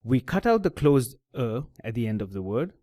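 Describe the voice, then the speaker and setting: A man teaching a language lesson in a scripted voice-over, his pitch rising and falling with lively emphasis. He explains each step in a clear, methodical way. The recording is dry and close, with no room sound. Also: moderate pace, dry recording. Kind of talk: scripted tutorial narration.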